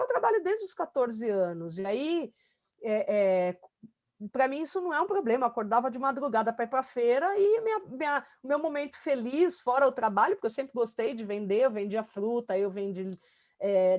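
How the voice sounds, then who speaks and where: A woman's voice: fairly high pitch, lively intonation, a little fast, darkish tone. A middle-aged woman talking in a casual interview, emphatic and talkative, with many fillers. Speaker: student being coached.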